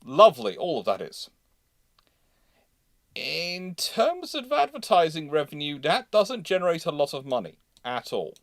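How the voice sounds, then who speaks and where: A man hosting a casual live question-and-answer stream, speaking haltingly, often repeating phrases and interrupting himself. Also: fairly high pitch, big pitch swings, no room sound, clean studio sound. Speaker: livestream host.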